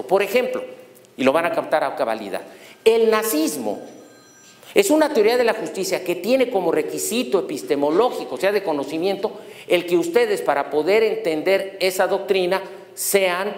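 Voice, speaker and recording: A middle-aged man giving a lecture on law, animated and throwing rhetorical questions at his audience. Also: sits high, normal speed. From Mexico. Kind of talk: university lecture on human rights. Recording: echoey hall with long reverb.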